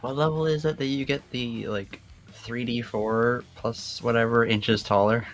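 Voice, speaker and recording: A man's voice: mid-range voice, steady tone, unhurried, soft background music. A man taking part in a tabletop game as a player, chatting casually in an amused, easygoing way. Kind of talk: casual chat.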